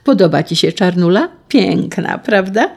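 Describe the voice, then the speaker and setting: Narrator doing excited children calling out, cheerful, raised, husky. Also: medium pitch, measured pace. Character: cheerful manor children, eager.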